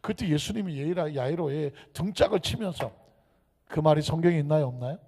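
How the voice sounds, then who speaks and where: A male pastor preaching a sermon into a microphone, dramatic, swinging between hushed whispers and loud calls and leading the congregation in repeating his lines. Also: on the high side, fairly quick. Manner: leads the congregation in call-and-repeat. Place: church sanctuary. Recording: echoey church hall.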